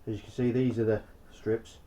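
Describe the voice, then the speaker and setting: A man with a croaky, froggy voice from being under the weather, casually explaining a hands-on DIY job as a vlogger. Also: medium pitch, flat delivery, fairly quick, warm tone, highs cut off, slight background noise.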